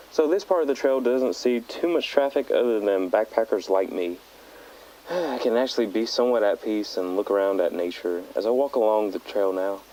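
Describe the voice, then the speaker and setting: An actor playing a young male hiker who records a calm, matter-of-fact tape diary on the trail in an audio drama. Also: fairly low pitch, rough recording. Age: young adult. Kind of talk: found-footage audio drama.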